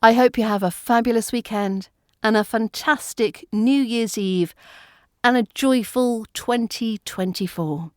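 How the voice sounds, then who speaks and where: A woman with an RP British accent, giving a scripted lesson as an accent coach, speaking in a clear, carefully enunciated way. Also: fairly high pitch, a little slow, dry recording, clean studio sound. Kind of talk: scripted teaching narration.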